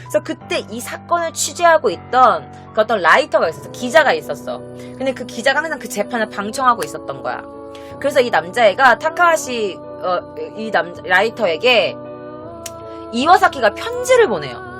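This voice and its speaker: Brief: a woman storyteller, lively and bouncy, with a fairly high voice. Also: moderate pace, over music. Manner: animated, acts out quotes, talks straight to viewers. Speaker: horror storyteller, streamer. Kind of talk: casual spoken storytelling.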